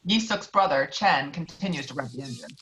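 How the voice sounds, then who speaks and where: A woman's voice: sits low, animated, brisk, fairly bright tone, a little hiss or hum. A woman narrating stage directions from a screenplay at a virtual table read, recorded over an online call. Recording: dull lo-fi online call audio.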